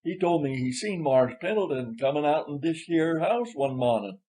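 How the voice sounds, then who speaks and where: A man's voice: a little high, expressive, normal speed, dark tone, pitched above the performer's own voice, natural voice, rough recording. A man voicing a loyal, proud old man from the American South, speaking earnest folksy dialect in a storybook reading. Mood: earnest explaining. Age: older. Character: elderly Southern man, former plantation servant, proud and loyal.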